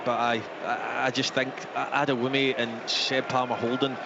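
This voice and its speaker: A man's voice: mid-range voice, level tone, moderate pace, vocal fry. A man giving unscripted football match analysis as a radio co-commentator. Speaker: football co-commentator, former player. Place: outdoor football stadium. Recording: dull radio sound, loud background noise. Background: loud stadium noise.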